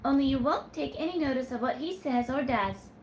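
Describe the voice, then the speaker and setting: A woman's voice: animated, brisk, a little hiss or hum. A woman doing a coy, sing-song young barmaid. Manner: demure, teasing, high and sing-song. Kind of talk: read-aloud storytelling. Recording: roomy echo.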